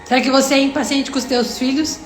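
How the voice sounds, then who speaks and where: Brazilian woman, high voice, devotional live-stream speaker, earnest, roomy echo with faint music behind. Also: flat delivery, quick pace. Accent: Brazilian Portuguese. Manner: earnest, addresses viewers directly, quotes God in dialogue. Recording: echoey room with faint music.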